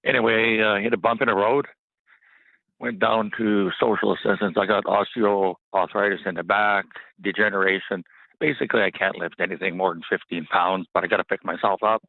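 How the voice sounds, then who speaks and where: A man calling in to a radio show, telling his story in a halting, emotional way with many restarts. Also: on the low side, steady tone, gravelly, no echo. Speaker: caller. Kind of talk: call-in storytelling. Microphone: telephone. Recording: tinny phone line.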